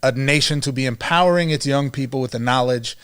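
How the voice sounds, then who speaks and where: Relaxed male podcast co-host. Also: mid-range voice, fairly quick, smooth, no room sound. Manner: relaxed, thinking aloud with many fillers. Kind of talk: casual conversational podcast chat.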